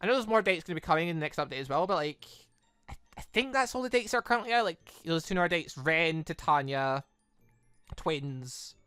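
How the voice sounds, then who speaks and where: Bright, clear-voiced excitable gaming commentator. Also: mid-range voice, brisk, no room sound, faint music behind. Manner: excitable, rambling, breaks into laughter. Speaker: gaming channel host. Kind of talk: casual let's play commentary.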